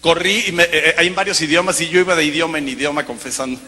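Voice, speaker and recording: A man's voice: a little high, quick pace, sharp tone. A Mexican man, a broadcaster, tells a joking, self-mocking personal testimony to an audience in a large hall. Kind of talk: humorous testimony storytelling to an audience.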